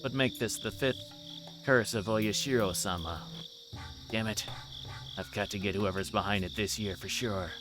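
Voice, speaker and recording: Low-voiced dogged older detective acted by a man. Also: moderate pace, pauses often, over music, natural voice. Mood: grim, determined. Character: dogged older male police detective nearing retirement.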